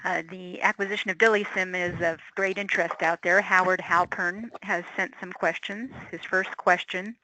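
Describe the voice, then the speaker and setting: A woman's voice: on the low side, fairly even intonation, moderate pace, few pauses, sharp tone, no echo, poor audio. A woman moderating a conference call, reading out investor questions in a business setting.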